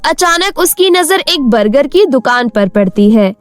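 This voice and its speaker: High-pitched woman storyteller. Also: animated, measured pace. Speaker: story narrator. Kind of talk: scripted storybook narration.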